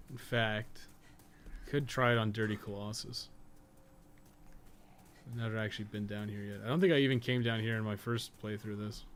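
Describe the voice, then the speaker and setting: A man giving casual live gameplay commentary as a guide host, explaining things in a relaxed, sweary way. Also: medium pitch. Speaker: game streamer and guide host.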